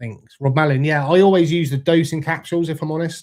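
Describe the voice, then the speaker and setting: A man with a British accent has a dark, mellow tone and a somewhat breathy voice. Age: 40s. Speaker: livestream host. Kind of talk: casual live chat reading comments. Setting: live stream. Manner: casual, chatty.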